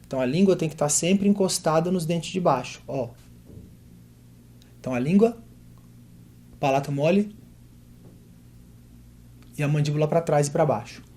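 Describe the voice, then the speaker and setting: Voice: mid-range voice, moderate pace, pauses often, mellow. A voice teacher with a Brazilian Portuguese accent, explaining vocal technique and demonstrating vowels and drill syllables aloud.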